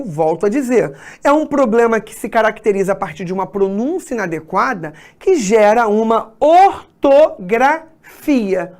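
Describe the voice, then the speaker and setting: A woman's voice: medium pitch, a little mellow. A woman teacher explaining grammar at a whiteboard, often checking in with her students. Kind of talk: exam-prep grammar lesson.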